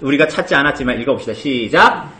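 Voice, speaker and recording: A male pastor giving a children's sermon, asking the kids questions and answering them in a lively way. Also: medium pitch, fast talker, roomy sound, slight background noise. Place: church.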